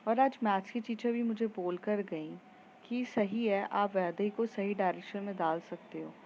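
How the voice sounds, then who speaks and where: A woman's voice: medium pitch, moderate pace, darkish tone, dull audio, a little hiss or hum, lightly acted. A woman voicing an earnest, reflective teenage schoolgirl who is top of her class.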